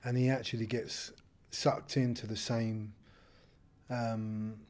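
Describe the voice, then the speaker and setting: A man's voice: mid-range voice, little pitch movement, slow pace, a little mellow. A man answering thoughtfully with frequent ums as a guest in a festival press-room interview, speaking into a handheld mic. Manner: thoughtful, hesitant with many ums. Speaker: actor being interviewed. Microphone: handheld mic held by interviewer.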